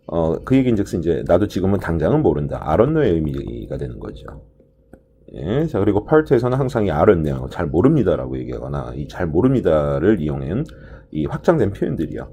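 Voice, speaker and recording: A man's voice: low voice, mellow, slight background noise. A man teaching a test-prep listening lesson, explaining each answer choice step by step and stretching out key words for emphasis. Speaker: TOEIC listening instructor.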